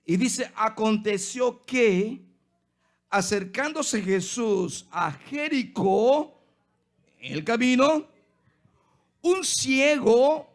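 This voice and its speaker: A man with a Honduran Spanish accent, a pastor preaching a sermon slowly and acting out the Bible quotes he tells. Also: sits high.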